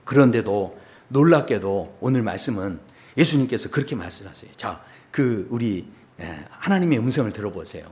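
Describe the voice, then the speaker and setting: A man preaching a sermon as pastor, telling a story with acted-out lines and asking the congregation questions. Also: moderate pace. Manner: animated storytelling, acting out dialogue in a low voice.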